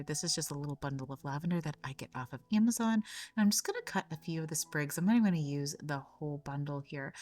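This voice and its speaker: A woman with a lowish, slightly raspy voice, hoarse from a lingering cold, walks through a craft project step by step. She chats casually and repeats small words as she works. Faint music plays softly under her voice. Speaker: craft channel host. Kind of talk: casual craft tutorial narration.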